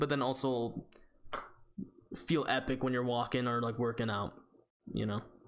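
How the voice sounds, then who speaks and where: Fairly quick pace and medium pitch from a man. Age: 20s. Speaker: science youtuber and PhD student. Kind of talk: livestream chat reading viewer questions. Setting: live stream. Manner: casual, many fillers and repetitions.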